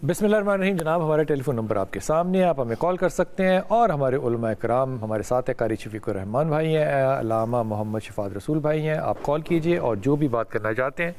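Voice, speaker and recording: A male host with a Pakistani Urdu accent leading a religious call-in show, calm and advising. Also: mid-range voice, hardly any pauses. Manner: calm, gives advice, short acknowledgements.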